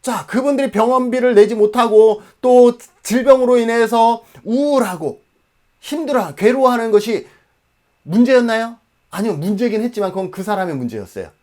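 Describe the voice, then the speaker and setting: A man's voice: very high-pitched, lively intonation, moderate pace, a little mellow. A man in his forties from Jeju Island, South Korea, giving an exam-prep lecture emphatically, asking questions and answering them himself.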